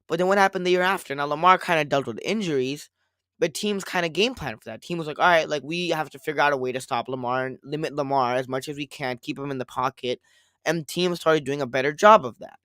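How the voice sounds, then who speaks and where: A man co-hosting a casual sports podcast, rambling and circling back to his points, a little hoarse after a cold. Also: fairly high pitch, fairly bright tone, no echo, clean studio sound. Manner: rambling, repeats himself, quotes others. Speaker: podcast co-host.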